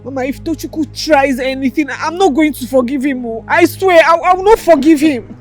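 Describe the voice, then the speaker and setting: A woman's voice: high voice, fairly quick, soft background music, lightly acted. An actress playing an anxious young woman who fears what her brother will do. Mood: worried. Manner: worried, insistent. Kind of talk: film drama acting.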